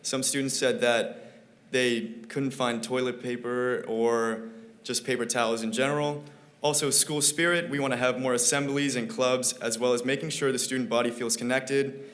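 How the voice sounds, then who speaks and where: A man's voice: medium pitch, fairly even intonation, moderate pace, fairly bright tone. Earnest teen boy reading a report. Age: teens. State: slightly croaky voice. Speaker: student board representative. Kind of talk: prepared report to a meeting.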